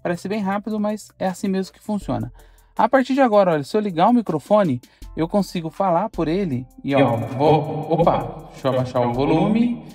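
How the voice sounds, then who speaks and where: A man's voice: sits high, animated, brisk, darkish tone, no room sound, soft background music. A man with a Brazilian Portuguese accent giving a casual, chatty how-to demo from inside a parked car, filling his talk with "olha" and "tá?". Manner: chatty, explanatory, frequent "olha" and "tá?". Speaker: car channel host.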